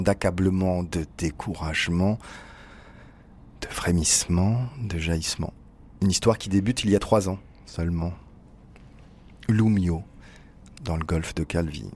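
Guy with a really low voice reading a personal story, slow and close, calm delivery. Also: a little hiss or hum. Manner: intimate, measured reading. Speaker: narrator. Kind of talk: scripted literary narration.

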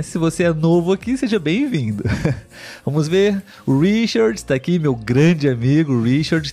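A Brazilian man co-hosting a live podcast for language learners, speaking slowly and clearly like a teacher and often checking in with his listeners. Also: mid-range voice, warm tone. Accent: Brazilian Portuguese. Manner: slow, clear, teacherly delivery with frequent "né?" checks. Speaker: podcast co-host.

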